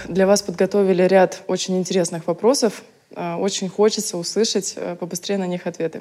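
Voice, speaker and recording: In a very clean recording with a silent background, a woman with a dark, mellow tone and medium pitch speaks at a moderate pace with fairly even intonation. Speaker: podcast interviewer. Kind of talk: casual interview.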